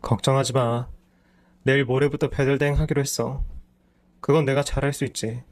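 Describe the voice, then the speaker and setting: A man's voice: medium pitch, little pitch movement, moderate pace, close to an everyday voice. A man voicing a lazy, self-pitying husband who makes excuses, in a storybook reading. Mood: defensive. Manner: whiny, defensive.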